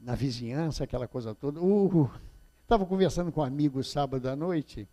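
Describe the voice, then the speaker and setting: A man's voice: on the high side, animated, a little fast, mellow. An older man from Brazil with a Rio de Janeiro Portuguese accent, giving a public talk at a spiritist center and telling stories, often repeating key phrases and asking the audience questions, recorded by a far camera in a small indoor hall.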